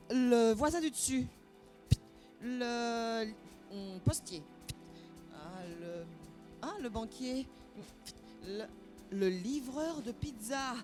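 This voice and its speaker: A woman's voice: fairly high pitch, darkish tone. A woman narrating a stage play in the second person, with a wry, musing manner and many hesitations. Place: theatre stage.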